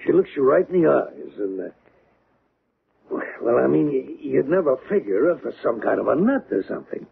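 A male police detective talks in a colloquial, halting way in an old radio drama. The voice is mid-pitched with plenty of gravel, on a thin, narrow broadcast recording. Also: very animated, noisy background. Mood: matter-of-fact, puzzled. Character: plain-talking police detective briefing a colleague, colloquial and hesitant. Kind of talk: 1970s radio drama acting.

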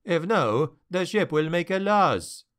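A man's voice: high voice, very animated, slow, fairly bright tone, voice pushed up, heavily acted. A man doing a French sea captain. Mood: persuasive. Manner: emphatic, broken English. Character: mustachioed male sea captain, excitable trader.

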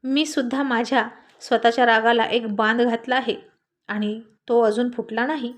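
Storybook figure: patient young male student, measured, voiced by a woman. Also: a little high, close to an everyday voice. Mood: calm. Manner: calm, restrained.

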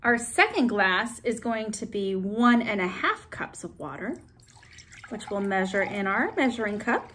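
A woman's voice: mid-range voice, expressive, a little slow, fairly bright tone. A middle-aged woman teaching a child to count, giving a hands-on demonstration with simple questions and step-by-step explanations. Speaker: presenter of a children's science activity. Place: indoor set with a printed backdrop, at a table. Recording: echoey room.

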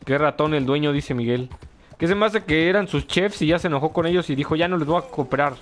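Young man, Mexican accent, casual game commentary, jokey, fairly high voice. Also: quick pace, a little hiss or hum. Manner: joking, reads chat aloud, laughs often. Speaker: gameplay streamer. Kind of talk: casual live gameplay commentary.

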